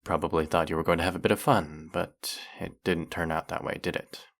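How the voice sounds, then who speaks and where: A man playing a centuries-old, brooding vampire hunter in an audio roleplay, questioning with measured, wry menace. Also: sits low, steady tone, gravelly, fairly bright tone, heavily acted. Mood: knowing, grim. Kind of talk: dramatic audio roleplay, addressing the listener.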